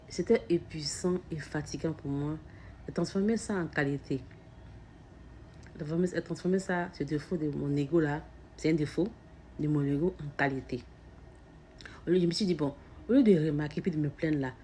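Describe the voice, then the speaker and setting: A woman with a somewhat low voice gives an earnest, reflective self-help talk as a mother addressing her listeners. She stutters often, doubling words and restarting phrases. A faint background hum sits under her voice. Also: moderate pace, warm tone. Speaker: mother sharing personal reflections.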